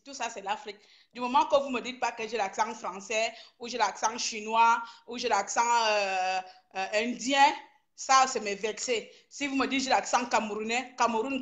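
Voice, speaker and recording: A woman's voice: on the high side, fairly bright tone. A woman from Gabon speaking in a live social media rant. She scolds in a confrontational way and slips into broken English. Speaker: online activist.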